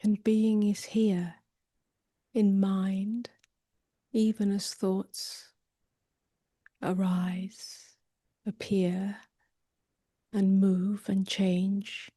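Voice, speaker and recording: A woman meditation teacher leading a guided meditation softly and gently, often drifting toward a whisper, with long pauses. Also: medium pitch, level tone, no echo, studio quality. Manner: soft, breathy delivery drifting toward a whisper.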